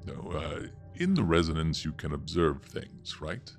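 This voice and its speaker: Game master, male, middle-aged. Very low register, halting explanatory delivery, clear music bed. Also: big pitch swings. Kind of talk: explaining a tabletop role-playing story in conversation.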